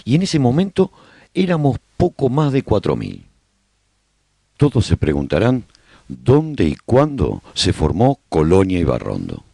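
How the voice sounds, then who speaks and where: A man playing a nostalgic survivor who chronicles colony life in a radio serial, with measured, expressive storytelling. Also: low voice, creaky, breathy edge, no room sound, clean studio sound, heavily acted. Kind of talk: scripted first-person radio drama narration.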